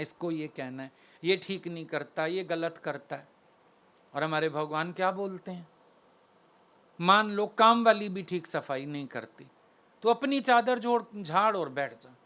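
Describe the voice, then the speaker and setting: A man's voice: on the high side, sharp tone. A male spiritual preacher giving a devotional sermon, animatedly acting out household dialogue while telling stories. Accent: Delhi Hindi.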